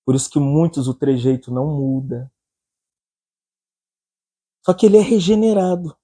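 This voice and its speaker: A man's voice: high voice, warm tone. A man with a Brazilian accent preaching a humorous sermon, joking, laughing often and acting out anecdotes.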